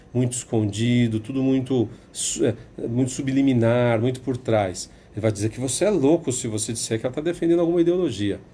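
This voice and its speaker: A man with a Brazilian Portuguese accent delivers a sarcastic opinion monologue, hammering his points by repeating them. His voice is mellow and warm, of middling pitch, with faint noise in the background. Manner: emphatic, sarcastic, repeats phrases for effect. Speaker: commentator.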